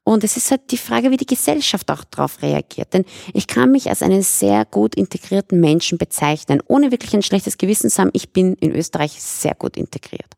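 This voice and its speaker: Gravelly, mellow-voiced young woman. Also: medium pitch, animated, fairly quick, few pauses, no room sound, studio quality. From Iran. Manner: thoughtful, explains at length with restarts. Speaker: interview guest. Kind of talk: conversational interview.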